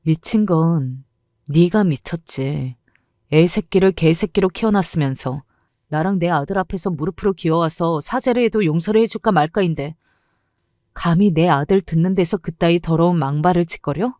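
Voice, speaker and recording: A woman's voice: on the low side, a little fast, dark tone, dry recording, studio quality, close to an everyday voice. A woman voicing a furious mother who cuts down her old school bully in a cold, cutting way. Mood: cold fury.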